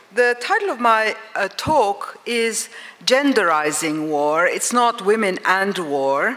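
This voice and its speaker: Over noticeable background noise, a woman with a Turkish accent speaks very slowly but with lively intonation. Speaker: anthropology professor. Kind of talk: conference talk. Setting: symposium with audience. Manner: hesitant, with fillers and self-corrections.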